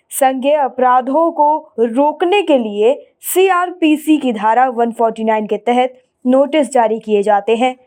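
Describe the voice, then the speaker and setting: A woman presenting scripted news in a formal, measured bulletin delivery. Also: sits high, darkish tone.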